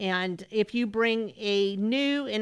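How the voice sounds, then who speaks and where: A woman speaks with an American accent in a plain, everyday voice, her intonation fairly even. The recording is very clean, with a silent background. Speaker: radio host. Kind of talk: radio interview. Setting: studio.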